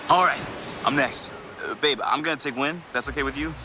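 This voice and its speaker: A man playing a cocky, excitable young husband turned superhero in an audio drama, with slangy, laid-back wording. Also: mid-range voice, brisk, background noise, natural voice. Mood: cocky, eager. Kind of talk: acted audio fiction dialogue.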